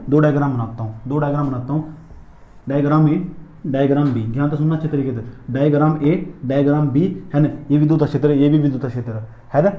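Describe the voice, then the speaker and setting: A man's voice: on the high side, echoey room, dull audio. A man teaching physics in a classroom lecture, repeating points and drilling his students with questions and answers.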